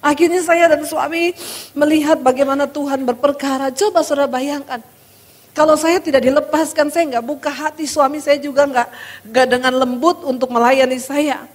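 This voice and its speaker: A woman pastor with a high voice delivers a dramatic sermon, calling out to her congregation as she tells her own story. Her voice carries a long reverb from a large church hall. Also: fairly even intonation, normal speed. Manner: addresses the congregation as "saudara", emphatic and dramatic. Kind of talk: sermon with personal testimony.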